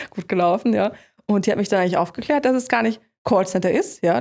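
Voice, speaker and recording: A woman's dark, mellow voice at a very fast pace with lively intonation, in a very clean recording with a silent background. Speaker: sales employee. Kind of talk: interview.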